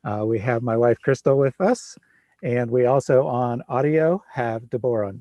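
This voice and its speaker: Relaxed chatty man in his forties. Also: mid-range voice, normal speed, dry recording, muffled recording. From Midwest United States. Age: 40s. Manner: relaxed, chatty, laughs often. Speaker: livestream host. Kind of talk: casual livestream chat.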